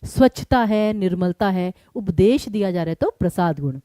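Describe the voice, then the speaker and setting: A woman teaching an online exam-prep lesson, quizzing her students and explaining each answer briskly. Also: medium pitch, expressive, mellow, no room sound, clean studio sound.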